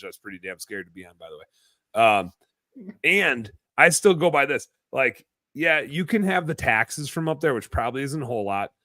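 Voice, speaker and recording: Bright, dry-miked host. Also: male voice, medium pitch, no room sound. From Wisconsin. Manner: laid-back, joking, reads listener comments aloud. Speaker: podcast host. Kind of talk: casual chat.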